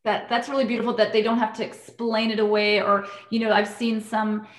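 A woman's voice: a little high, flat delivery, brisk. A woman hosts a casual interview, chatty and loose, peppering her questions with "like" and "you know". Her voice rings in a roomy, echoey space. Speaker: interviewer, host.

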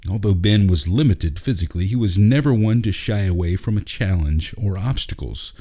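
Male narrator for short fiction; low-pitched voice, scripted storytelling delivery. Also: lively intonation, normal speed, mellow.

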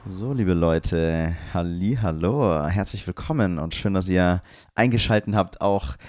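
A man from Germany co-hosts a relaxed podcast, chatting in a slangy, easygoing way and laughing often. His voice sits on the low side. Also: a little slow. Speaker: podcast co-host. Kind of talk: casual podcast chat. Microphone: remote recording setup.

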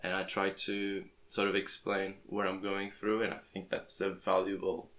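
Hesitant young man, low and flat. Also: normal speed. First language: Portuguese. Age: young adult. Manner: hesitant, restarts words often. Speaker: podcast host. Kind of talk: casual interview chat. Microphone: plugged-in podcast microphone.

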